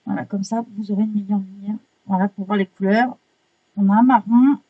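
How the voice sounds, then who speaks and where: A woman chatting casually while unboxing art supplies, excitable, swearing lightly and apologizing often. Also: mid-range voice, brisk, narrow, tinny audio.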